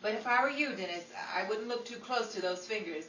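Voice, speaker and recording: An actress playing a sardonic, exasperated young Hollywood starlet who delivers dry, teasing put-downs in 1940s radio comedy style. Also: female voice, medium pitch, expressive, brisk, close to an everyday voice. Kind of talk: 1940s old-time radio comedy acting. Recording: echoey, distant mic with faint crowd and noise.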